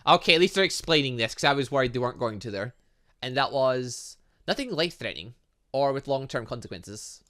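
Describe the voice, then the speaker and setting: A man giving animated let's play commentary on a video game, reading dialogue aloud and adding sarcastic asides. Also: medium pitch, fairly quick. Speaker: gaming channel host.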